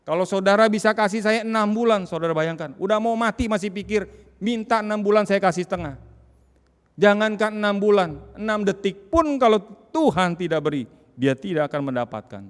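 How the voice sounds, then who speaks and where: A man preaching a sermon as pastor, dramatic, swinging from loud cries to hushed tones. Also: high voice, lively intonation, a little fast, clean tone. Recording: long hall reverb.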